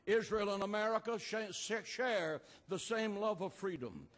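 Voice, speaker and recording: Older man, pastor-orator, high lively pitch, slow deliberate delivery, long reverb of an outdoor rally. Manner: slow, emphatic, repeated refrains, rising to shouts. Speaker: pastor giving a speech. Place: outdoor rally at an ancient port.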